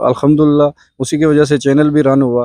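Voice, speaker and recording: Against a quiet background, a man's fairly high-pitched voice comes through with a dry, close sound and no echo. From Poonch district, Jammu and Kashmir. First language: Gojri (speaking Hindi). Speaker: comedian. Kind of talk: interview.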